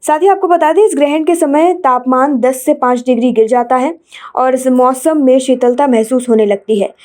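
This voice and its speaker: Woman, news presenter, high pitch, dark mellow tone, formal scripted narration. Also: moderate pace. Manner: formal, read-out delivery.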